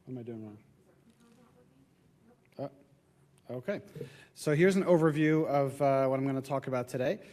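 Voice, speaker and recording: A man with a nasal voice from a cold, giving a halting conference presentation as a medical oncologist. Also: mid-range voice, mellow. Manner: halting, many filler sounds. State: getting over a cold. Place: conference venue.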